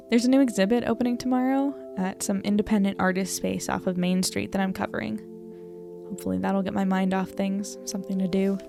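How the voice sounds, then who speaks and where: Music plays clearly behind an actress playing a young woman reporter in an audio drama. She is plainspoken and troubled, with a medium-pitched voice and dry, understated sarcasm. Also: close to an everyday voice. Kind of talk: audio drama acting, diary-like monologue and dialogue.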